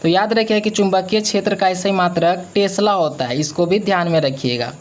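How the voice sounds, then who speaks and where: A man's voice: high voice, brisk. A young man teaches as an exam coach, going through questions and answers with repetitive, emphatic explanation.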